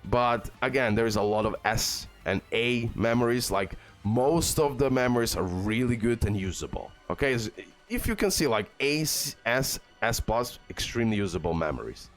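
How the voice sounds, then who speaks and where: A man's voice: medium pitch, expressive, normal speed, few pauses. A man giving casual game guide commentary, enthusiastic and full of fillers. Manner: enthusiastic, repeats "guys" and "okay", filler-heavy. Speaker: gaming YouTuber. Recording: faint background music.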